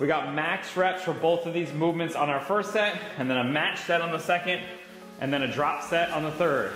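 Faint music plays in the background and the room echo is audible. The delivery has a moderate pace and ordinary pitch variation. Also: man. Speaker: fitness coach. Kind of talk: workout tutorial. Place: gym. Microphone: earbuds.

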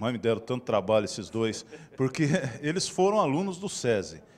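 A man's voice at medium pitch. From Brazil, São Paulo state (Bauru region). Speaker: sports and education institution official. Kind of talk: ceremony speech. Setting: city council chamber. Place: hall. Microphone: handheld.

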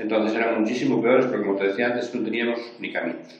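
Audible room echo hangs around this man's speech. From western Asturias, Spain. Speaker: farmer and former councillor; interviewee. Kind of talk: interview. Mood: calm, reflective. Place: home room.

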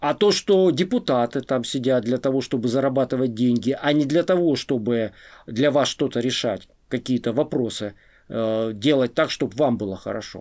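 A man at a medium pitch and moderate pace, with ordinary pitch variation, against a quiet background. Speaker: video blogger. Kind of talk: angry rant to camera. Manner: angry, emotional. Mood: angry, indignant. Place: studio. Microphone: studio mic.

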